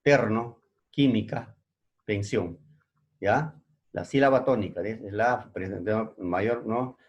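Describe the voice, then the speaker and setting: A Peruvian man teaches a secondary school language class in this recorded lesson, repeating every point and checking in with his students again and again. His voice is fairly low and slow, and the audio sounds dull.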